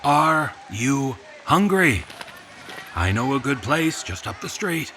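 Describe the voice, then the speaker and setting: Menacing fancy shopkeeper, husky, formal, swooping intonation, bright forceful edge, audio drama villain. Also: male voice, mid-range voice, big pitch swings, slight background noise, heavily acted. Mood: inviting, sly. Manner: formal, smooth-talking, deliberate wording. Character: sly, controlling, menacing fancy gentleman puppet-shop owner. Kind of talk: scripted audio drama dialogue.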